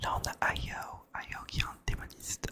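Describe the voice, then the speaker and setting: Someone whispers in an intense tone. Noticeable background noise can be heard. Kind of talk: ASMR video, casual talk about video game characters. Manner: intense whispering.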